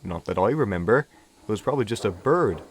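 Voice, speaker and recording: A man voicing a calm, sensible male engine with a dry, level manner. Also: lowish voice, fast, breathy edge. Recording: music playing behind.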